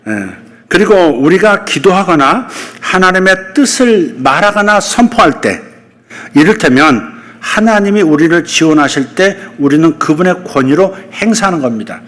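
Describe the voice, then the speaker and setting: A middle-aged male pastor delivering a lively sermon. His voice sits a little high and swings widely as he acts out bold rebukes and coaches the congregation. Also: normal speed, big-room sound. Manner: animated preaching, acting out bold rebukes to the congregation.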